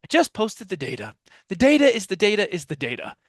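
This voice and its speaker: A man's voice: high-pitched, huge pitch swings, fairly quick, no echo, clean studio sound. An American man in his forties giving an explanatory interview answer as a guest speaker, emphatic, using repetition and rhetorical questions, on a headset microphone. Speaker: podcast guest, author and business speaker. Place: small dim home office, video call.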